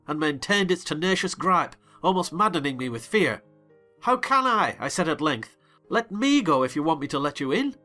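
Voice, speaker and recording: A man narrating a dramatized audiobook in a bright, forceful voice that sits slightly high. He reads theatrically and swells into excited outbursts in the dialogue, with faint music underneath. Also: moderate pace.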